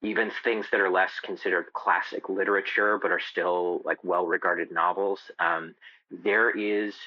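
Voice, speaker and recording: A man talking as a podcast guest in a casual, explanatory way, halting as he thinks aloud. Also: low voice, no echo, muffled recording. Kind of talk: casual interview chat.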